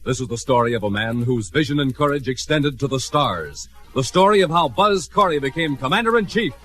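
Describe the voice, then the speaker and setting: A man's voice: mid-range voice, animated, brisk. A man narrating a classic radio adventure serial in a grandiose, dramatic style. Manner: grandiose, theatrical. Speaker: announcer and narrator. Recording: old radio broadcast, faint music.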